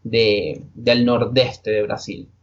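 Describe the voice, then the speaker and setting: A man in his twenties from Venezuela with a Venezuelan accent, a Spanish teacher being interviewed on a podcast, explaining in a relaxed way. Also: lowish voice, takes it slowly, highs cut off. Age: 20s.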